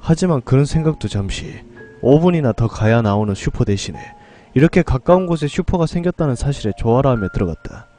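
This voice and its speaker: A man tells a first-person horror story in a scripted, dramatic way. His voice is mid-pitched but swings widely in tone. Faint music plays softly behind him. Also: expressive, a little fast.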